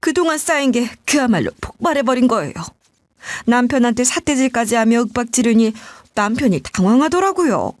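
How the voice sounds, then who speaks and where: A woman's voice: a little high, lively intonation, fairly quick, dry recording. A middle-aged woman narrating her own story in the first person, retelling it with indignant emotion.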